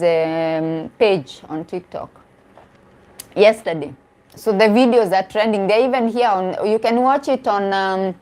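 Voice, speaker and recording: A woman's voice: mid-range voice, a little mellow. A woman, a dating coach chatting casually on a live stream, answering comments and repeating phrases for emphasis. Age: 40s.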